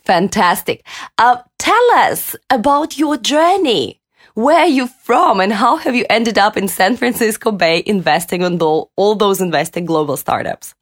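A woman's voice: medium pitch, animated, unhurried. An upbeat woman hosting a podcast interview. She introduces her guest with enthusiasm and keeps the talk going with short encouraging replies. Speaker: podcast host.

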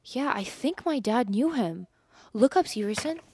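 A woman's voice: a little high, animated, a little slow, background noise. A young woman in a scripted audio drama, earnest and curious, a little defensive.

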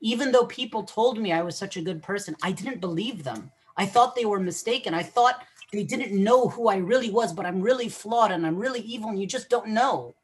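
A middle-aged man with a husky voice, a guest explaining things in an earnest, casual conversation and often repeating words as he thinks. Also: high voice, brisk, hardly any pauses. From Egyptian family, English first language. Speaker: guest, mental health practitioner.

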